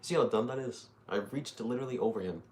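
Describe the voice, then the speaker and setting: A man's voice: medium pitch, fast, a little hiss or hum. A man giving casual let's-play commentary over a video game. He sounds exasperated and pokes fun at himself. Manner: casual, exasperated and self-mocking. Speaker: gaming YouTuber.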